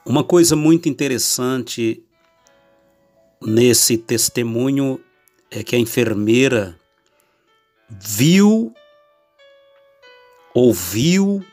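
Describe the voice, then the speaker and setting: Very slow solemn man preaching. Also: mid-range voice, animated, darkish tone. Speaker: religious commentator. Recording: distant voice over music.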